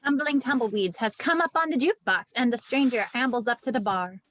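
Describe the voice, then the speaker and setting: Fairly high-voiced woman narrating a script. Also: brisk, a bit bright, no echo. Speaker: narrator reading stage directions. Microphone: video call.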